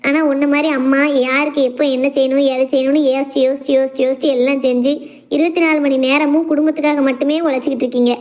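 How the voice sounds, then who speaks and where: A woman playing a fond teasing daughter, high and rapid. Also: flat delivery, a little mellow, natural voice. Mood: earnest. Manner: earnest, coaxing, playful. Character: young adult working daughter, devoted and teasing. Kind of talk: family drama skit.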